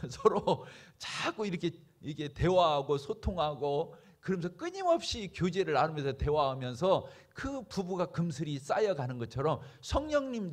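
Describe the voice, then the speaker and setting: A man preaching a sermon as pastor, emphatic and full of rhetorical questions to the congregation. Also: sits high.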